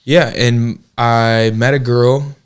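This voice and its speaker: A man from Georgia, United States, in his twenties, co-hosts a loose, joking relationship podcast in an American accent. He takes it slowly, his mid-range voice clean and fairly even in intonation.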